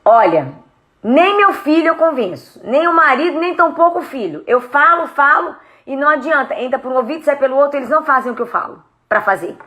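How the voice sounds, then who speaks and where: An exasperated mother whose family ignores her, complaining in a lifted, higher voice, as a Brazilian woman with a Brazilian Portuguese accent acts her out. She sounds worn out and grumbling. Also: animated, brisk, pushed and bright. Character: fed-up mother nobody listens to.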